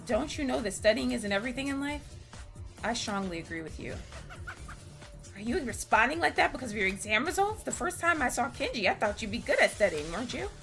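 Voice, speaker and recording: A woman plays anime visual-novel students, bantering and earnest. The delivery is theatrical and high, with lively swings of pitch over game music. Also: fairly quick. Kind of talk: dramatic read-aloud of game dialogue.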